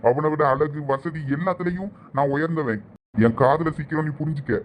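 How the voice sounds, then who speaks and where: A man's voice: a little high, normal speed, a little hiss or hum, close to an everyday voice. A man playing an obsessive, menacing kidnapper villain who gloats and threatens in a village drama. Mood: gloating.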